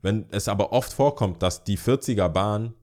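Young man, very low voice, casual chat, acts out little quoted excuses. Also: normal speed, a little mellow. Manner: acts out excuses in quoted asides, laughs often.

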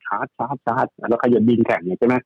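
A man's voice: mid-range voice, racing, breathy edge, dry recording, narrow, tinny audio. A man giving casual stock market commentary, chatty and rambling, often repeating his words.

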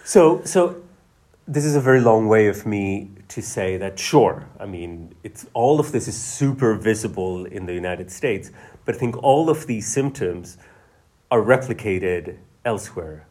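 Low-voiced man explaining at length. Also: lively intonation, a little mellow. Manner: measured, explains ideas at length. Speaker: novelist guest. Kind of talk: conversational interview.

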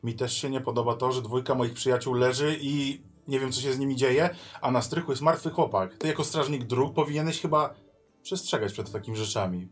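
A man's voice: mid-range voice, a little fast, lightly acted. A man voicing a stern male swordsman who gives commands and threats, with faint music behind. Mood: commanding.

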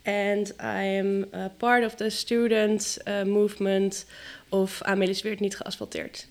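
A woman's voice: medium pitch, level tone, a little slow. A young woman in her twenties with a Dutch accent, a student activist guest, speaking hesitantly with many fillers. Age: 20s.

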